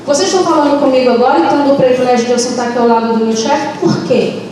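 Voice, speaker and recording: A woman's voice: sits high, steady tone. Earnest woman in an echoey hall. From Brazilian Amazon, Baré people. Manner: earnest, halting, fillers, speeds up when stirred. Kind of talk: impassioned panel talk. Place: lecture room. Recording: echoey hall from far off, noisy.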